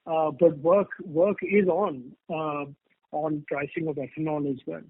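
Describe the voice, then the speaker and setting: A man with an Indian accent answering earnings call questions as a company executive, measured, hesitant and careful, over a telephone line. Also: a little high, steady tone, husky, no echo. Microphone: telephone conference line. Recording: tinny narrow phone line.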